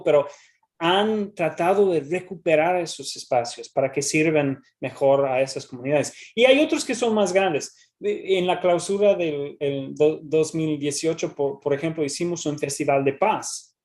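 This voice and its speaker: An American man whose first language is English presents his research in careful, halting Spanish. His voice is slightly high with a darkish tone, and he restarts often and repeats words during this academic talk and Q&A.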